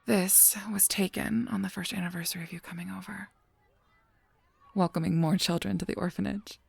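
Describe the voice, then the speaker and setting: An actor playing a solemn, protective guardian angel in an audio drama, speaking gravely and formally with a husky voice. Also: mid-range voice, steady tone, a little hiss or hum. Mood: firm, calm. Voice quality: husky, breathy, creaky voice. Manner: grave, measured, formal speech. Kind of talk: scripted audio roleplay acting.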